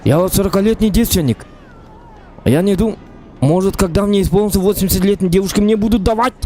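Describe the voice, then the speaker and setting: While livestreaming an online role-play game, a man keeps up a casual, playful chat, full of questions and repetition. His voice is high, fast and warm. The talk is improvised in-game banter.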